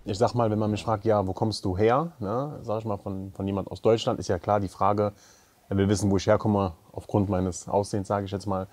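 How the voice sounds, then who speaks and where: A man's voice: on the low side, steady tone, brisk, darkish tone. A man in his thirties from Saarbrücken speaking earnestly and steadily in an interview. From Germany (Saarbrücken). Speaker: restaurant co-owner. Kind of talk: interview statement.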